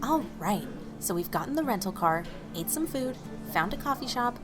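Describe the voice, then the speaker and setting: Brisk young woman, lively high-ish voice. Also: music in the background. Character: brisk, teasing young traveler keeping friends on schedule. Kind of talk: naturalistic audio drama dialogue.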